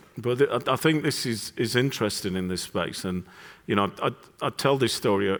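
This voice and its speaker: A man speaks with a Manchester accent. The recording is very clean, with a silent background. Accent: flat Manchester. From northern England, Manchester. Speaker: industry analyst moderator. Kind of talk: panel discussion. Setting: stage with audience.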